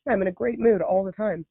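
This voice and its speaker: Young california woman on a podcast, super raspy hoarse voice w lots of fry, kinda hesitant, tinny phone sound. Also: mid-range voice, no echo. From United States, San Fernando Valley in California. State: hoarse, losing her voice. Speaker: podcast guest. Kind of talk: candid interview conversation.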